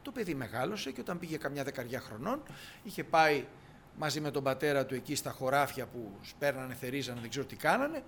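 A man's voice: medium pitch, sing-song, a bit bright, a little hiss or hum. A man preaching a sermon, reading scripture aloud and retelling it with acted dialogue.

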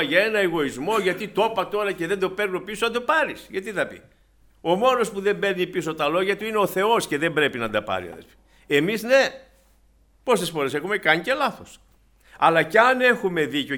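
A man preaching a sermon, swinging between loud exhortation and soft, low asides as he retells anecdotes to his congregation.

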